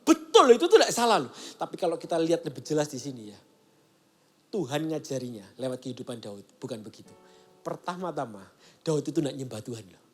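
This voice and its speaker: A man's voice: on the high side, sing-song, a little fast, faint music behind. A male pastor giving a casual, conversational sermon and acting out the voices he quotes. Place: church service broadcast.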